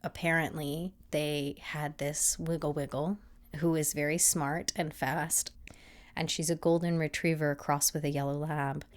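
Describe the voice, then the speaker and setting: A woman's voice: sits low, flat delivery, measured pace. A young adult woman telling her story casually, acting out voices and laughing often. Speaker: podcast guest.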